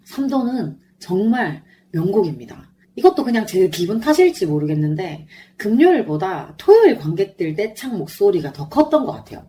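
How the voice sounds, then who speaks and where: Animated mellow-voiced woman with a sore throat. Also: medium pitch, normal speed, few pauses. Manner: effusive, animated fan talk. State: sore, strained throat after singing along. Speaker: podcast host. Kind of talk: chatty solo concert review.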